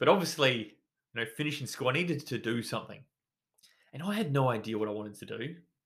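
A man with an Australian accent and a medium pitch, talking very fast, broken by long, frequent pauses. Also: lively intonation. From South Australia, Whyalla. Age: 30s. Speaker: podcast host and financial coach. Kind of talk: solo monologue podcast.

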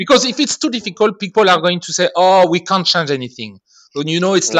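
Lively intonation marks this man's high-pitched voice, which comes with a French accent. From France. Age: 40s. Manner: halting.

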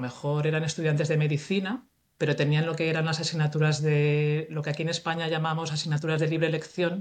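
A woman's voice with a very deep, low pitch. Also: quiet background. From Spain, Cuenca. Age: 40s. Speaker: Spanish teacher. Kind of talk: casual chat.

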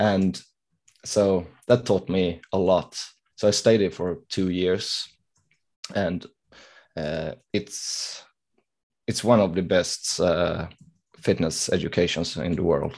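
Against a quiet background, a man talks at a very deep, low pitch with fairly even intonation. His pace is very slow, with long, frequent pauses. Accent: Swedish. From Sweden. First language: Swedish. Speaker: strength coach. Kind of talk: casual interview. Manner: halting, many fillers.

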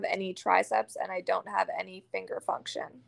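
An unremarkable speaking voice: a woman of medium pitch with an American accent, moderate pace, and a dry, close sound with no echo. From Maine, US. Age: 20s. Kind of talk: interview testimony.

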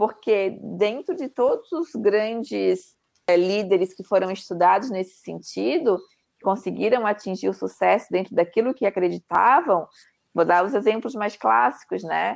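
Slowing to a fairly slow pace, a woman speaks at a medium pitch with vocal fry. Her intonation is lively. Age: 40s. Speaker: podcast co-host. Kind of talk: casual chat.

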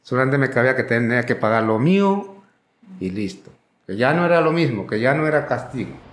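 Lively intonation carries through audible room echo. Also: man, medium pitch for a man, fairly quick pace. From Panama, Guna Yala (San Blas). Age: 50s. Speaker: former prison inmate. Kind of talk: interview testimony. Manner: halting.

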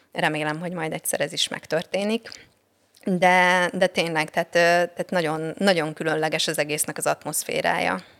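A woman's fairly low-pitched, an ordinary speaking voice at a moderate pace with fairly even intonation, dry and close with no echo in a very clean recording over a silent background. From Budapest, Hungary. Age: 30s. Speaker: beautician and HR consultant. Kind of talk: casual chat.

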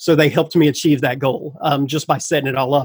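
A man talks at a fairly quick pace in a fairly high, somewhat breathy voice. The sound is dry and close, with no echo. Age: 30s. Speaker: tech website editor and amateur cyclist. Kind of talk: interview.

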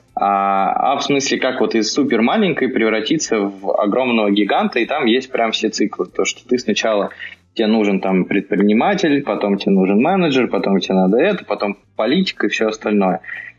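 Amid noticeable background noise, a man of medium pitch speaks at a fairly quick pace with very even loudness. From western Russia, Bryansk. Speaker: startup founder and CEO. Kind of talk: podcast interview. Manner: halting, many fillers.

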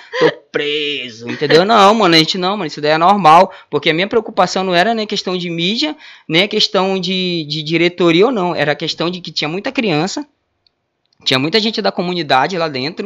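This man has a high pitch and a bright, sharp tone with a northern Brazilian accent. He talks at a fairly quick pace with lively intonation against a quiet background. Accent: northern Brazilian Portuguese (Manaus). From Manaus, Amazonas, Brazil. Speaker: rapper and cultural organizer. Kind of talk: casual interview.

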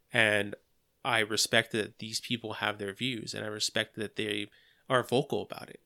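A bright, sharp tone with vocal fry at a moderate pace, in a dry, close sound with no echo and a very clean recording with a silent background. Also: man. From Southern California, Fontana. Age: 30s. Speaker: podcast guest, father. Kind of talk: casual chat.

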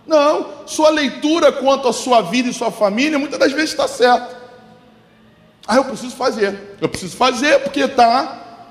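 A man's extremely high-pitched voice at a moderate pace, with noticeable background noise. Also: ordinary pitch variation. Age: 40s. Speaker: pastor. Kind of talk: sermon.

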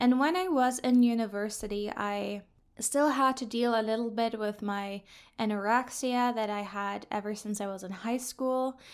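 The recording is very clean, with a silent background. A woman speaks at a moderate pace and fairly high pitch with ordinary pitch variation. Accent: German. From Germany, Hamburg. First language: German. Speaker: spiritual podcast host, healing coach. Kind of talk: unscripted personal storytelling monologue. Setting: solo in front of a microphone. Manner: flowing, relaxed.

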